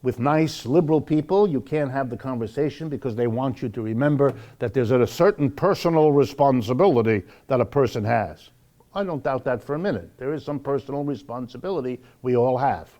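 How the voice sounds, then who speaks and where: A man lecturing to the public on economics, speaking emphatically and deliberately and repeating phrases for stress. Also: mid-range voice, dark tone.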